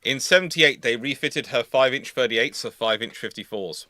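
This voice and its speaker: Bright, forceful man giving opinions. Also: mid-range voice, normal speed, dry recording. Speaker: panelist on a naval history stream. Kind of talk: casual expert discussion.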